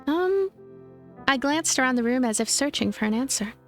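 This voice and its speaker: High-voiced woman narrating a visual novel. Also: quick pace, a bit bright. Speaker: let's play narrator. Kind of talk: expressive scripted visual novel narration with casual asides. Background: background music.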